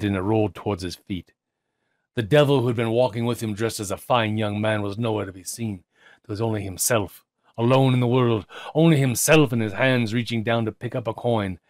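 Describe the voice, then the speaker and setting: Low-voiced man telling a dramatic tale. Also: no room sound, studio quality. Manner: theatrical, with deliberate pauses and emphasis. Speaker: audiobook narrator. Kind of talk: dramatic literary storytelling.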